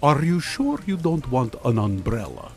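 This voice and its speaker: An actor playing a blasé, retired older mad scientist with a dry, teasing manner in a comedy radio play. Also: male voice, mid-range voice, sing-song, normal speed, darkish tone, lightly acted. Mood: dry nonchalance. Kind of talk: comedic radio drama acting. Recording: music behind the voice.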